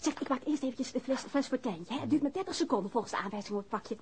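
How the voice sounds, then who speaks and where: A woman's voice: high-pitched, expressive, quick pace, a little mellow, slight background noise. An actress playing a playful, frank young wife and mother in a naturalistic radio drama. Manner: teasing, frank.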